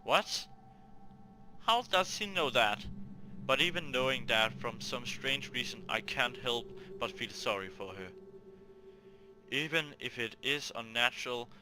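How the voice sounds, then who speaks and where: A man's voice: medium pitch, expressive, a little slow, noisy background. A man hosting a gaming video, reading a visual novel aloud theatrically, stumbling over words and talking to himself between lines.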